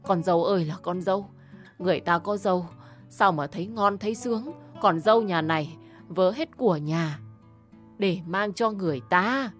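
A woman voicing a furious older mother-in-law who wails and shouts as she scolds. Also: mid-range voice, moderate pace, soft background music, close to an everyday voice. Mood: scolding.

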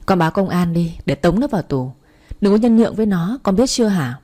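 A woman's voice: fairly low pitch, expressive, a little fast, warm tone. A woman voicing a furious elderly grandmother who scolds harshly through clenched teeth. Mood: vengeful.

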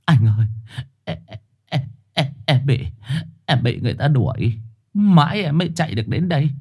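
A man's voice: mid-range voice, sing-song, normal speed, husky. A man voicing a timid young male stray dog who pleads and stammers. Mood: pleading.

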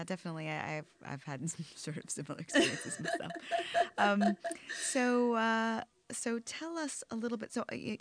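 A woman interviewer asking questions informally, with somewhat halting phrasing. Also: on the low side, no echo.

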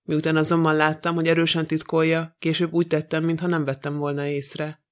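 A man's voice: a little high, monotone, natural voice. A man voicing a shaken widow giving hesitant, subdued testimony to a judge in an audiobook. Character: shaken widow of a murdered millionaire.

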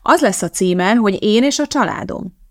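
A woman's voice: mid-range voice, lively intonation, close to an everyday voice. A woman voicing a strict, irritable schoolteacher who scolds her class in an audiobook. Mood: stern. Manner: scolding, bossy.

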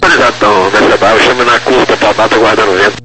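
A man's voice: on the low side, fairly even intonation, fast, bright, forceful tone. A man giving traffic instructions as an air traffic controller over a crackly radio. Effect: crackly aviation radio.

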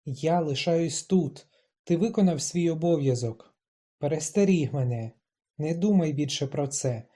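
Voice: mid-range voice, a little slow, close to an everyday voice. An audiobook reader voicing a proud, stubborn young woman who speaks in clipped, emphatic lines and rises into defiant outbursts. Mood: angry. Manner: clipped, emphatic, rising to shouts.

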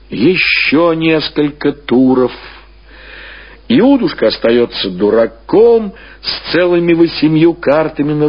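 A male narrator tells a literary story in a theatrical, deliberate way. His voice is husky and very varied in pitch. The recording has the dull sound of an old radio broadcast. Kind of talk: expressive scripted literary narration.

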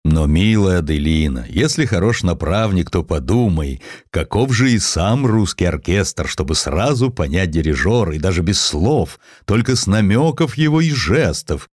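A man voicing a gentle male opera singer who consoles a friend in an earnest, soothing way. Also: low-pitched, big pitch swings, normal speed, no room sound, studio quality. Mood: earnest persuasion.

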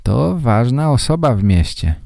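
A man's voice: mid-range voice, very animated, a little slow, vocal fry, a little mellow, no room sound, studio quality, voice pushed up. A man doing a kindly village teacher. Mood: reassuring. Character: helpful village male teacher, calm and kindly. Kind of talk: slow read-aloud storytelling for learners.

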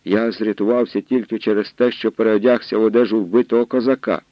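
A man's voice: fairly low pitch, fairly even intonation, fast, dry recording, highs cut off, close to an everyday voice. A man voicing a frightened young male soldier who pleads and stammers out bad news, in an audiobook reading. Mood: pleading.

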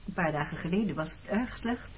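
A woman's voice: fairly low pitch, lively intonation, brisk, close to an everyday voice. Radio drama casting: actress as guarded woman, early thirties, terse and pointed with an old flame; dull, noisy recording. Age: 30s. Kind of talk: Dutch radio play dialogue.

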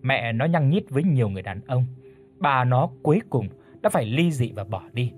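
A man narrating an audiobook story with a steady, even reading. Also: mid-range voice, fairly quick.

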